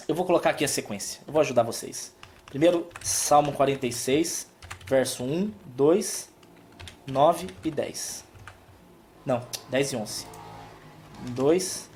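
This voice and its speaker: Soft-spoken man preaching a calming devotional. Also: mid-range voice, a little slow, long pauses, a little hiss or hum. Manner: soft and calming, hushing, then emphatic. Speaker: pastor. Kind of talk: devotional preaching on a live stream.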